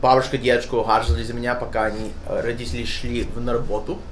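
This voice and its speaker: A man in his thirties, a dental surgeon with an English-speaking Canadian accent, chatting in halting Russian and slipping into English, recorded in a small dental office. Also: mid-range voice, flat delivery, echoey room, a little hiss or hum. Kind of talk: casual interview.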